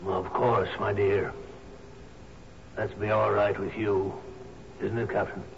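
Earnest bereaved husband, lowish voice. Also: male voice, flat delivery, takes it slowly, creaky. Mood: polite. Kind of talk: radio drama acting. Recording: muffled radio broadcast with faint noise.

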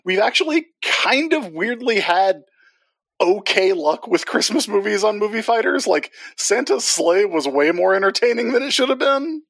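A man's voice: high-pitched, expressive, normal speed, fairly bright tone, no echo. A man co-hosting a casual movie podcast who jokes and makes dry asides. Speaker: podcast co-host.

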